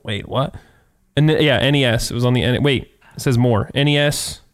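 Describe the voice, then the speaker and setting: A man from Indiana chats loosely with friends on a podcast, his pitch in an ordinary middle range. He swears casually and narrates his own searching as he goes. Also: a little fast, clear, resonant tone. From Indiana, USA. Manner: chatty, profane, thinks aloud while looking things up. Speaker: podcast co-host. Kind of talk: casual chat.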